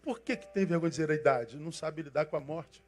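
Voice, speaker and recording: Faint music plays behind an older pastor with a Brazilian Portuguese accent as he preaches passionately at a quick pace. His pitch is fairly high, and he swings from loud emphasis to soft asides.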